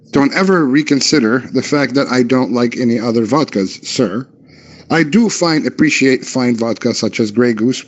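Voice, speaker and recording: A man's voice: medium pitch, lightly acted. A man voicing a boastful, pompous man who speaks with mock-polite formality, on muffled lo-fi audio.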